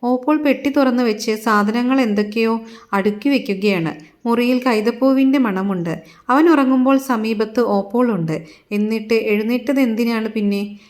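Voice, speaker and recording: A woman narrating a literary audio story in a gentle, measured way. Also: fairly high pitch.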